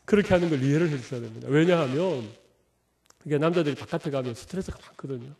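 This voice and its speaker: Middle-aged man, pastor, conversational sermon, humorous, slightly high voice. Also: fast talker, creaky, a little mellow. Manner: humorous, conversational preaching with acted-out quotes.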